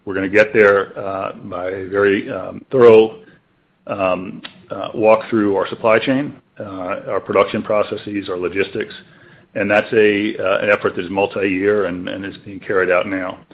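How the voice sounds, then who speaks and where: A man answering business questions as a company executive, speaking deliberately with many hesitations mid-phrase. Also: sits low. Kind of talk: unscripted business Q&A. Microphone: telephone conference line. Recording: narrow tinny phone-line conference call.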